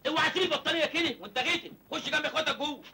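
An actor playing a naive, hungry young country bumpkin from rural Egypt, whining and rambling in a comedy film. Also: male voice, very high-pitched, expressive, rapid-fire, bright, forceful tone, a little hiss or hum, exaggerated voice. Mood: whiny. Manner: whiny, naive, rambling chatter.

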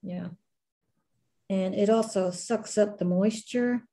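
A woman's voice: medium pitch, slow pace, mellow. A middle-aged woman teaching a clay class, chatting casually and thinking aloud with many fillers as she works. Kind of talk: casual chat while demonstrating.

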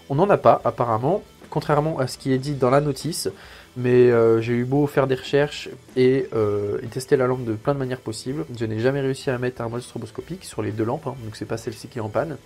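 A man's voice: medium pitch, darkish tone. A man hosting a sponsored unboxing video, talking in a chatty, joking way and explaining each step, with frequent fillers. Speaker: channel host reviewing gear. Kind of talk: sponsored product unboxing vlog.

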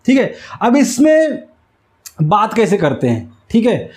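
High-pitched man teaching. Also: huge pitch swings, slow pace, darkish tone. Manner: explanatory, repeats key phrases. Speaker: instructor. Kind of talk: instructional whiteboard lesson. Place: small indoor room with whiteboard. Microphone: lapel mic.

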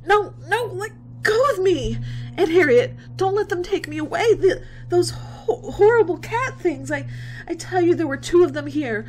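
A woman's voice: very high voice, animated, normal speed, low-quality recording. A woman playing a frightened, pleading college girl in a radio horror drama, stammering and tearful. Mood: hysterical. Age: young adult.

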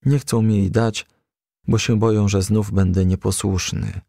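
A man's voice: fairly low pitch, steady tone, measured pace, gravelly, mellow, no room sound, studio quality. A man voicing an earnest, heartbroken young male firefly in a storybook, plaintive and pleading. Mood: tearful, dejected.

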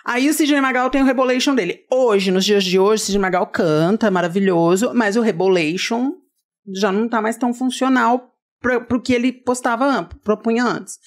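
A woman hosting a podcast, chatting casually in a studio with a playful, teasing manner. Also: on the high side. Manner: playful, teasing, quick jokes. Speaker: podcast host. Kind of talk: casual chat.

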